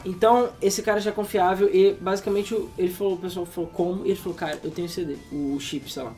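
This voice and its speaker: A man's voice: sits high, steady tone, fast, darkish tone, soft background music. A sleepy man co-hosting a casual gaming chat, rambling and swearing freely. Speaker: podcast co-host.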